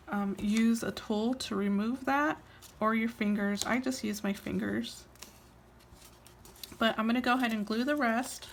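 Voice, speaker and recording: A tired-sounding woman hosting a casual hands-on craft tutorial, explaining each step informally with trailing pauses. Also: medium pitch, a little hiss or hum.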